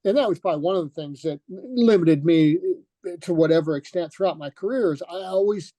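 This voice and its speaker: An older man, a retired motocross racer appearing as a guest, reminisces about his racing career in a relaxed, rambling interview full of fillers and restarts. His voice is high-pitched and warm, his pace fairly quick, and there's no room sound.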